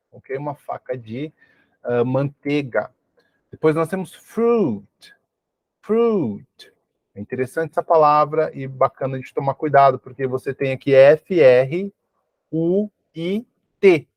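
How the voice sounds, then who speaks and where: Man from Brazil, English teacher, video lesson, slightly high voice, slow repeated words, dry close sound. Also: creaky, darkish tone, dry recording. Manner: repeats words slowly for practice, frequent "ok?".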